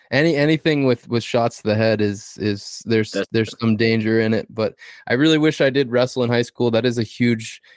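Delivered at a fairly quick pace with fairly even intonation, the speech has a dry, close sound with no echo on a very clean recording with a silent background. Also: man. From US South, northeast Florida. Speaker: fitness content creator. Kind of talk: podcast interview, casual chat.

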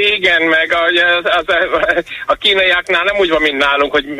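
The voice shows ordinary pitch variation while noticeable background noise plays underneath. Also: man. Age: 50s. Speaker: caller. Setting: phone call.

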